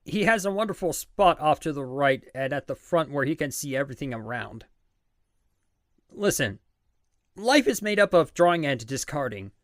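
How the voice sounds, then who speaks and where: A man playing a gentle, wise bereaved father in an audio drama, earnest and consoling. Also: on the high side, no echo, clean studio sound.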